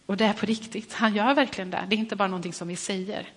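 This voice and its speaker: A woman giving a sermon in a gentle, reflective manner, often restarting her phrases. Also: medium pitch, steady tone, breathy edge, long reverb tail. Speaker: preacher.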